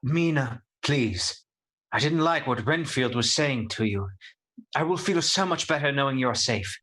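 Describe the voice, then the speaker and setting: A man's voice: mid-range voice, animated, measured pace, sharp tone. A man playing an earnest, worried and protective husband in a radio play. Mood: worried, pleading. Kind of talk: live radio play acting.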